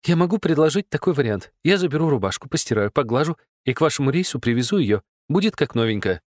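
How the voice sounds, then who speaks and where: A man's voice: on the high side, sing-song, fast talker, a little mellow, no echo, clean studio sound, voice pushed up. A man doing a flustered apologetic young woman.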